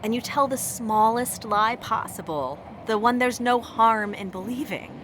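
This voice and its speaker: High-voiced, wounded, devoted wife. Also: female voice, unhurried, fairly bright tone, a little hiss or hum. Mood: earnest, pleading. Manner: emotional, pleading. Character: devoted, wounded wife pleading with her partner. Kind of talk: audio drama acting.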